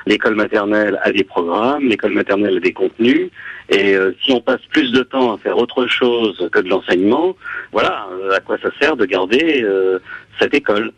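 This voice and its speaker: A school inspector and author from France, speaking with a French accent, argues in a radio interview with hesitations and repeated words, his voice electronically altered by a voice changer for anonymity. It sounds fairly low and bright at normal speed, with no room sound and low recording quality.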